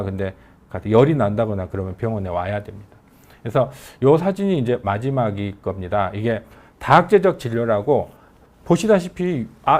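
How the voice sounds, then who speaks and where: A middle-aged man, an oncology professor with a regional Korean dialect, giving a conversational medical lecture. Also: medium pitch. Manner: animated, conversational lecturing that acts out patients' questions.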